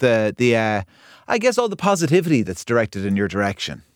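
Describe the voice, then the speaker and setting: Very wide pitch swings mark this speech in an Irish accent, recorded very cleanly with a silent background and a dry, close sound with no echo. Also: man. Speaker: radio host. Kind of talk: interview. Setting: studio.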